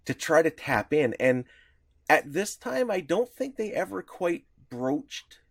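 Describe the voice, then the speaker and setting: This male co-host has a highish, very animated voice with vocal fry, speaking slowly in a dry, studio-quality recording. Chatting casually on his podcast, he gets excited and rambles, restarting often as ideas crowd in.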